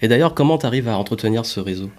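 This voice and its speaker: A man's voice: mid-range voice, expressive, very fast, a little mellow. A man interviewing casually as a podcast host, in a conversational style.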